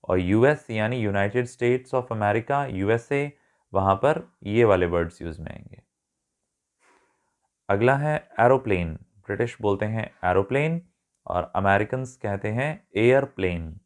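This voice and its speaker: A man gives an English vocabulary lesson in a slow, unhurried way, spelling words out letter by letter. His voice sits fairly low, and he mixes English terms into his explanations as he goes, sometimes correcting himself mid-sentence. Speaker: English teacher.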